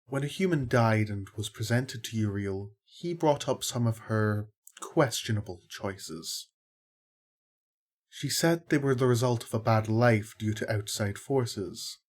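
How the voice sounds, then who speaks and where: Male actor as calm fair-minded angel, slightly low voice, measured, wry, audio drama. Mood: thoughtful. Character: kindly, fair-minded male archangel, calm ally and explainer.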